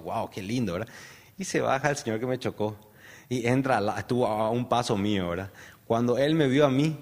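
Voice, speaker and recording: A man with a Paraguayan Spanish accent, an interview guest giving a personal testimony in a rambling way, full of fillers and tag questions. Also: medium pitch. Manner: rambling storyteller, many fillers and "¿verdad?" tags. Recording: long hall reverb.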